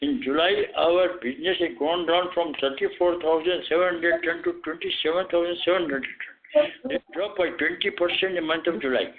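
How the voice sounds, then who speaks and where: Tinny phone line, male executive, Indian accent, slightly high pitch, firm, matter-of-fact answers. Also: steady tone, brisk, a little hiss or hum. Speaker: company executive. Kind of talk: answering analysts on an earnings call.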